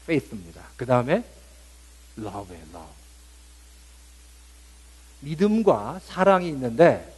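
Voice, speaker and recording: A man's voice: a little high, breathy edge. A male pastor preaching a Holy Week sermon to his congregation. He preaches emphatically, slips English words in, and coaxes the listeners to answer him. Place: church service.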